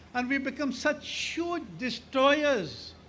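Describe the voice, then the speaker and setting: Raised and projected, a man's voice sits at an extremely high pitch with a bright, sharp tone and ordinary pitch variation. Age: 80s+. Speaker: architect. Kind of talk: speech. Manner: halting.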